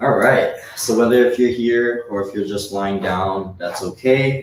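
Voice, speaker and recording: A soft-spoken man talks in a fairly low pitch with fairly even intonation. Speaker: meditation teacher. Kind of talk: guided meditation. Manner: slow.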